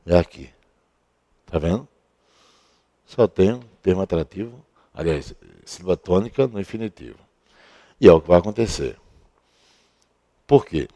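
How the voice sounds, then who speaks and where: A male teacher with a deep, mellow voice. He walks through a grammar rule step by step at a board, asking questions and then answering them himself. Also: animated, normal speed, pauses often. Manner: explains step by step, asks and answers his own questions. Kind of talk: recorded grammar lesson. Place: at a board he writes on and erases.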